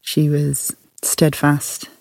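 A woman's voice: sits low, monotone, drawn-out words, gravelly, a little mellow, no room sound. A woman with a Birmingham accent, from the Midlands, telling her career story thoughtfully as a podcast guest, often laughing. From English Midlands. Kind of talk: candid reflective conversation.

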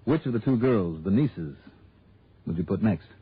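A man's voice: fairly low pitch, animated, normal speed, breathy edge. An actor playing a wry, skeptical male insurance investigator who also narrates in first person, in 1960s radio drama style. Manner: dry, wisecracking, skeptical. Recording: tinny old radio broadcast.

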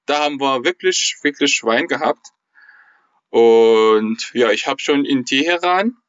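A young man from Iran, talking casually as a podcast guest in German, pausing often with fillers as he searches for words. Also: mid-range voice, fairly bright tone, no room sound, highs cut off. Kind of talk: casual interview conversation.

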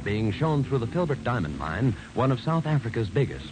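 A man's voice: mid-range voice, very animated, a little fast, rough recording. A man with an American accent reading scripted announcements in 1940s radio style. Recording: old radio broadcast, loud music. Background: loud music.

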